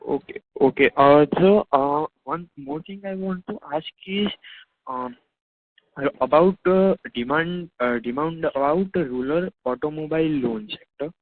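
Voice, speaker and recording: A man with an Indian accent asks questions over a dry, narrow phone line. His voice sits a little high, and he is hesitant, circling back over his words. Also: unhurried, dry recording. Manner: hesitant, repetitive. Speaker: caller asking analyst questions.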